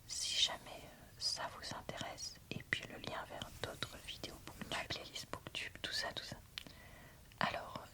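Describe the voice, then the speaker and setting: A woman softly whispers an ASMR book review and reading in an unhurried, informal way. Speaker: book reviewer and video host.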